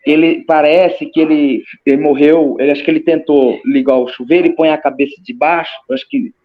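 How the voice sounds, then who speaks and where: A man's voice: on the high side, fairly quick. A man with a Brazilian Portuguese accent, a guest telling his own story in casual testimony, hesitant, repeating words and acting out gestures. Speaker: interview guest recounting a near-death experience. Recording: slightly muffled lo-fi audio.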